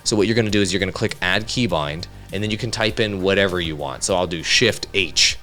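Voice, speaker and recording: Man, low voice, casual tutorial host, conversational and upbeat, studio mic, light background music. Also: fast, pushed and bright. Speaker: tutorial host, content creator. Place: home studio. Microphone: studio microphone.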